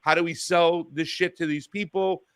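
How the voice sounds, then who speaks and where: A man hosting a call-in talk show, chatting casually, rambling and profane, getting loud and animated when he rants. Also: a little high, normal speed, smooth, no echo, clean studio sound. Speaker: radio show host.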